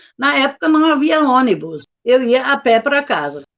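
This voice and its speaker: A woman speaks at a moderate pace. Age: 70s. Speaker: retired teacher and catechist. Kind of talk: testimony. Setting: live stream interview.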